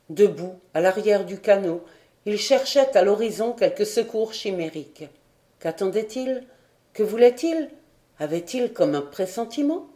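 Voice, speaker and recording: A woman's voice: mid-range voice, mellow. A woman narrating a classic adventure novel as an audiobook, reading expressively and dramatically. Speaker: audiobook reader.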